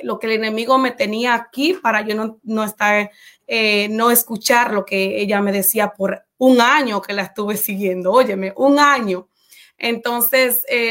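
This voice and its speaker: A woman's voice: on the high side, a bit bright. A woman coach speaking in an interview with fervent, religious conviction. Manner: fervent, religious, quick-talking. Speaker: guest coach. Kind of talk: casual interview testimony.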